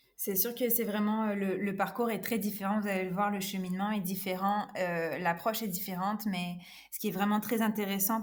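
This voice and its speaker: A woman's somewhat breathy, monotone, flat delivery at a moderate pace. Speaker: podcast co-host. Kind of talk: casual podcast chat. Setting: video call.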